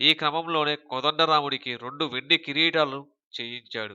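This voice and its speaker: A man talks with an unremarkable speaking voice at a fairly high pitch. His intonation is fairly even. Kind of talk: news story narration.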